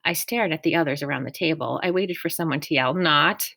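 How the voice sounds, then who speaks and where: A woman reading a novel aloud in a plain, steady audiobook narration. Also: low voice, fast, vocal fry, no echo. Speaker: audiobook reader.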